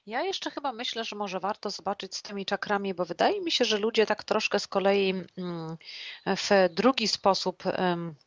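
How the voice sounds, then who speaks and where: A woman with a mid-pitched voice explaining ideas patiently, restarting phrases as she goes. The recording is close and dry with a dull, lo-fi tone. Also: lively intonation, dry recording. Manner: explains slowly with restarts and examples. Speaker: clairvoyant co-host answering viewer questions. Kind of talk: casual studio chat.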